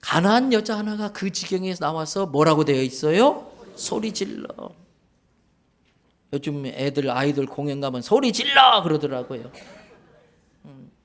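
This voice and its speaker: A man preaching a sermon in church as pastor, animated, acting out quoted voices and questioning the congregation. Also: on the high side, a little slow, pauses often. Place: church sanctuary.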